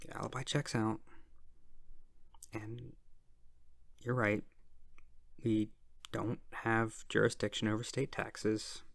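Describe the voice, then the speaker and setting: A performer voicing a shy, flustered IRS auditor in an ASMR roleplay, soft-spoken and hesitant, sometimes slipping into a whisper. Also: mid-range voice, flat delivery, gravelly, no room sound. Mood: hesitant, suspicious. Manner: hesitant, halting, stammering.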